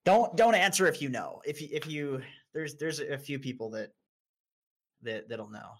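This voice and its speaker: A man's voice: on the high side, expressive, moderate pace, fairly bright tone, slight background noise. A young man streaming and chatting casually, blunt and laughing often, with frequent restarts.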